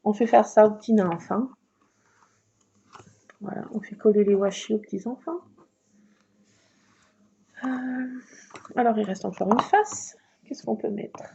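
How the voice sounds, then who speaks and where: A woman chatting through a casual craft tutorial at home at night, keeping her voice hushed and often slipping into a whisper, with rambling asides. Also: medium pitch, a little slow, gravelly, long pauses, husky. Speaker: craft video maker. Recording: muffled lo-fi with faint noise.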